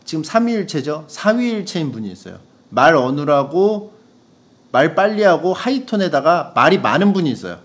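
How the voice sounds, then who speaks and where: A man in his thirties hosts a relaxed podcast and talks his way through listener letters. His voice sits a little high for a man, and he rambles, pokes fun at himself and now and then bursts into loud high emphasis. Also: fast talker, hardly any pauses. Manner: chatty, rambling, self-deprecating. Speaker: radio-style podcast host reading listener letters. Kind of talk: casual chat.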